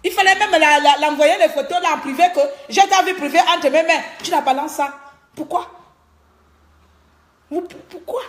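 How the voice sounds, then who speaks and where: A woman's voice: sits high, normal speed, long pauses, a little hiss or hum. Indignant woman, Cameroonian French accent. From Gabon. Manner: indignant, repeats words while searching for them. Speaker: online commentator. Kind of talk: livestreamed rant. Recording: roomy echo.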